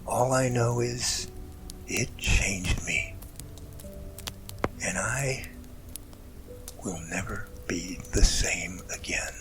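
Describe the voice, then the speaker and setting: A man acting in an amateur audio drama as an emotional man haltingly recounting a rescue that overwhelmed him. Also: fairly low pitch, music in the background. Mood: reflective.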